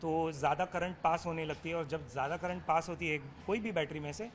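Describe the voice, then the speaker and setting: A man with a somewhat high voice explains technical matters as an interview guest. He pauses and hesitates often and switches into English phrases mid-sentence. There is ambient noise behind him. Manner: halting, frequent hesitations, mixes in English phrases.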